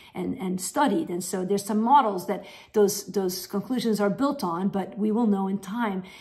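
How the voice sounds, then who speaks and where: Moderate in pace, a woman is speaking. Her pitch moves in an ordinary way. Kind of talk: informational update to viewers. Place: home room. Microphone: phone near.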